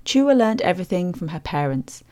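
A woman hosts and narrates a language-travel podcast in a scripted, measured voice-over. Her voice sits a little low and paints each scene with careful description. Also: very animated, warm tone.

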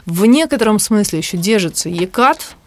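A woman guest from the music industry talking in a lively, conversational way, acting out quotes as she tells stories. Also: medium pitch, a little fast. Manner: animated storyteller, acts out quotes. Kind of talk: conversational interview.

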